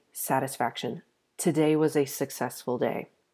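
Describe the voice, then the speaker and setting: A woman with an American accent and a very deep, low pitch speaks in an animated tone at a fairly slow pace in a very clean recording with a silent background. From US South. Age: 20s. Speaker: business coach and podcast host. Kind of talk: casual solo podcast monologue. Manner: animated, frequent laughs.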